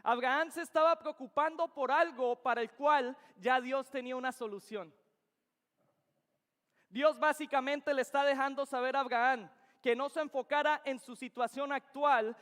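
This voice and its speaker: Preaching a sermon, this young man from Venezuela has an extremely high, fairly bright voice with fairly even intonation at a normal speed. He talks in earnest, emphatic bursts and keeps returning to his key phrases. Long church-sanctuary reverb trails his words.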